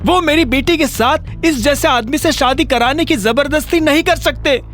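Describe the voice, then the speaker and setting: A woman's voice: normal speed, soft background music, natural voice. A man voicing a scornful, overprotective mother in an audio drama, wailing and exaggerating. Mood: outraged. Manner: wailing, exaggerated, high-pitched.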